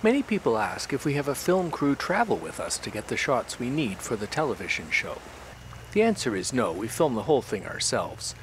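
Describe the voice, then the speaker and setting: A man's voice: mid-range voice, big pitch swings, brisk, noisy background. A man hosting and narrating a sailing series in a scripted documentary style.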